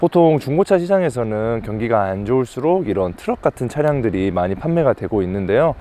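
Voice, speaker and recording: A man's voice: mid-range voice, expressive, fairly quick, dark tone. A man, explaining things to viewers as a used car dealer in polite, formal salesman patter. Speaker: used car dealer presenting a truck-buying guide. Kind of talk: informal explainer presentation to viewers. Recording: faint background noise.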